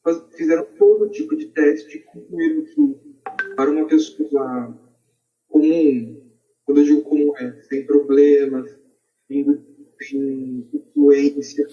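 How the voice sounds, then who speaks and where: A man's voice: fairly high pitch, lively intonation, slow, warm tone. A Brazilian man speaking earnestly as a guest in a podcast discussion, on a muffled, distant microphone.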